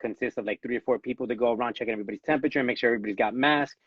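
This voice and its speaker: A man's voice: mid-range voice, racing, breathy edge, no echo, muffled recording. A man with a Latino accent, raised in Miami by Cuban parents, talks earnestly about his acting career in a casual live interview, restarting his sentences often. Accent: Latino, Cuban-American. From born in Los Angeles, raised in Miami. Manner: earnest, repeats words when starting sentences. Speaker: actor, interview guest. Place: at home.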